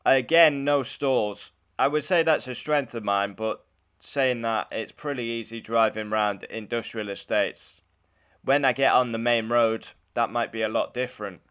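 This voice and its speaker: A man's voice: mid-range voice, a little slow, a bit bright, clear, resonant tone. British man talking casually in a vlog. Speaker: vlogger, learner driver.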